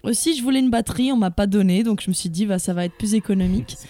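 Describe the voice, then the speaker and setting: A young woman chats casually as a guest on an interview show. Her voice sits at an ordinary pitch with a soft, mellow tone. She talks in a halting way, often pausing to search for her words. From Portugal. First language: Portuguese. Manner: hesitant, many fillers. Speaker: guest beatboxer.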